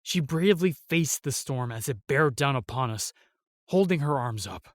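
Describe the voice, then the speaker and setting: A man's voice: medium pitch, lively intonation, no room sound, studio quality, lightly acted. Man acting a solemn, remorseful fantasy knight. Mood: bitter, regretful. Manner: halting, weighty storytelling with sighs and pauses. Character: solemn, remorseful knight, sworn protector of the realm. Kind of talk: fantasy audio drama acting.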